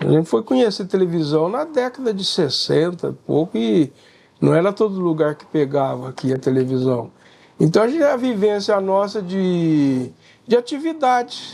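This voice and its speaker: The pitch swings very widely while the words come at a moderate pace. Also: man, high pitch for a man. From Brazil, interior of São Paulo (Mococa). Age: 80s+. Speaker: retired teacher, justice of the peace, former councilman. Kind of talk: interview. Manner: halting, with repetitions.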